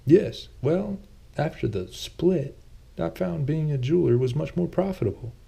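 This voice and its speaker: A man's voice: fairly high pitch, lively intonation, unhurried, vocal fry, mellow, husky, pitched above the performer's own voice, exaggerated voice. A friendly, prosperous jeweler from a fantasy tale, acted out by a male reader, speaks in a raised voice. He explains things affably, with a slightly defensive edge about leaving the sword behind. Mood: surprised, friendly. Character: Thomas, friendly well-off jeweler, former swordsman.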